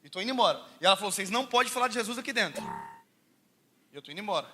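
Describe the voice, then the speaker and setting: A young Brazilian man preaching with humor, telling stories in an animated, joking way that rises to shouts. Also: sits high, very fast, a little hiss or hum. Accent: Brazilian Portuguese. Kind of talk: humorous sermon storytelling.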